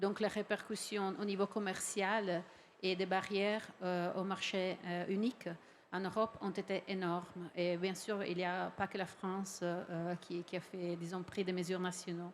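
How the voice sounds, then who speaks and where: A woman with a non-native accent speaks fairly slowly at a medium pitch in a monotone, flat intonation. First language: not French (speaking French). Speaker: director of a packaging industry association. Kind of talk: panel discussion. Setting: conference stage. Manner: hesitant, searching for words.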